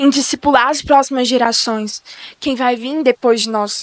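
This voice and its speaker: A woman speaks at a fairly slow pace in a high, flat monotone, with a dry, close sound and no echo. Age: 20s. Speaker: preacher. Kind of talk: sermon.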